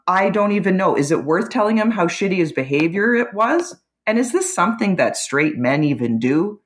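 A woman's voice: lowish voice, very animated, normal speed. A woman caller giving a candid, conversational personal account to an advice show host.

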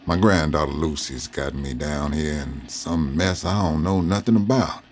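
An actor playing an elderly former slave and Union veteran who is guarded, wry and folksy. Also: male voice, extremely low pitch, normal speed, slight background noise. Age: older. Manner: wary, folksy, drawling. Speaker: interviewee.

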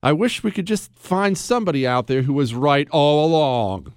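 Lively, sarcastic talk show host man. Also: on the high side, normal speed, clear, resonant tone, no echo, studio quality. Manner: mocking, self-admiring, jokey. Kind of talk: sarcastic monologue.

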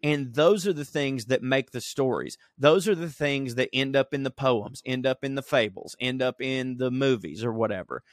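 A man co-hosting a podcast in loose, rambling talk full of jokes and swearing, with a middle-pitched voice. The sound is dry and close, with no room around it. He drifts from point to point and talks himself through his ideas. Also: moderate pace, hardly any pauses, no room sound. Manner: profane, rambling, joking. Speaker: podcast co-host. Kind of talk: casual comedic chat. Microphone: remote recording.

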